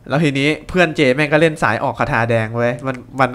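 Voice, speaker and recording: A young man giving casual, excitable gameplay commentary and teasing his co-player. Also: mid-range voice, quick pace, clear, resonant tone. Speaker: game commentator. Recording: faint background noise.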